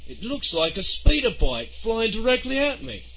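A man playing an excitable male wildlife TV host who talks in breathless exclamations. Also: extremely high pitch, normal speed, slight background noise, pitched above the performer's own voice. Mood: eager. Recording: dull lo-fi recording.

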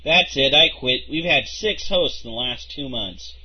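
A man's voice: mid-range voice, lively intonation, unhurried, natural voice. A man playing a harried male trooper squad leader who sounds exasperated. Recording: noisy lo-fi home recording.

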